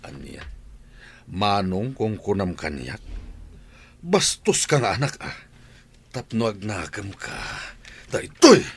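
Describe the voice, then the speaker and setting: A man's voice: fairly low pitch, sing-song, takes it slowly, pauses often, slightly rough, exaggerated voice. A man voicing a strict, hot-tempered father who scolds his family in an audio drama. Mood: furious. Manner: scolding, shouts when angry.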